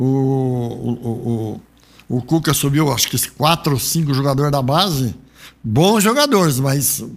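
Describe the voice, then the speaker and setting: A man's voice: mid-range voice, creaky. A middle-aged man from Brazil hosting a local radio show, chatting loosely about football with frequent rambling asides. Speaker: radio host. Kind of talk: casual radio sports chat. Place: radio studio.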